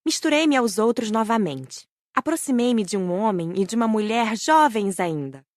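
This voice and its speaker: A woman's voice: a little high, lively intonation, moderate pace, no room sound. A woman reading scripted first-person narration as an audiobook narrator.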